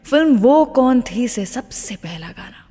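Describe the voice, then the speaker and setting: A woman's voice: on the high side, animated, a little slow, dark tone, breathy edge, in a large hall. A woman hosting a radio show, presenting in a chatty storytelling way and addressing listeners directly. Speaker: radio host.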